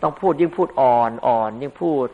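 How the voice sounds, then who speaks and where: A man's voice: mid-range voice, brisk, phone-quality sound. An older man giving a Buddhist dharma sermon in a conversational way, rising into emphatic bursts. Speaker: Buddhist monk teacher.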